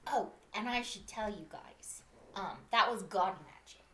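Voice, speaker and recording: A woman's voice: medium pitch, unhurried, fairly bright tone, a little hiss or hum. Woman player in a roomy space. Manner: playful, in character. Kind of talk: casual tabletop game chat. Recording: roomy echo.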